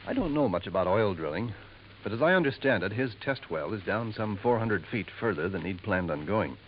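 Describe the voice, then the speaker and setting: A man playing a smooth, gossipy jeweler. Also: on the low side, lively intonation, brisk, lightly acted. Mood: confiding. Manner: confiding, insinuating. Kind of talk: 1950s radio drama acting. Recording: dull lo-fi old radio recording, faint hiss.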